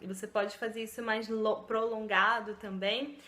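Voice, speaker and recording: A woman's voice: medium pitch, level tone, moderate pace, bright, forceful tone, reverberant, a little hiss or hum. A woman vlogger giving casual self-help talk to the camera, chatty, with many fillers and tag questions.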